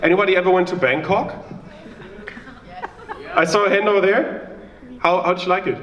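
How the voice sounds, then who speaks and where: A man's voice: high-pitched, moderate pace, fairly bright tone, echoey room, recorded from a distance, muffled recording. A young man from Germany with a German accent, doing a chatty, self-mocking stand-up set and bantering with the crowd. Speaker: stand-up comedian. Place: small live venue with audience.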